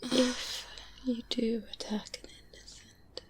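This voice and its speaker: A woman plays a stern female vampire hunter in an ASMR roleplay. She speaks slowly and half-whispered, right up at the mic, laying down rules in an earnest, cautious way. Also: a little high, level tone, breathy edge. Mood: stern warning. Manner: earnest, measured, firmly warning. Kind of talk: soft-spoken ASMR roleplay. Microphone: close-up binaural microphone.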